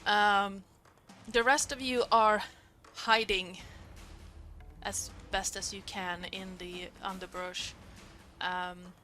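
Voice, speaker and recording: A woman with German as her first language, running a tabletop game as game master, talking in halting bursts full of fillers. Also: medium pitch, flat delivery, pushed and bright, soft background music. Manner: halting, many fillers, quick laughs. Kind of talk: narrating a tabletop game and chatting.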